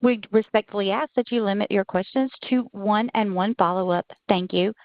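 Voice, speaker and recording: A woman's voice: mid-range voice, normal speed, no echo. A woman giving scripted announcements as a conference call operator. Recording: muffled conference call audio.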